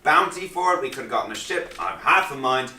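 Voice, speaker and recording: A man banters casually as a game player. His voice is bright and swings widely in pitch, recorded in an echoing room. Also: lively intonation, fairly quick. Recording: roomy, slightly distant, faint music.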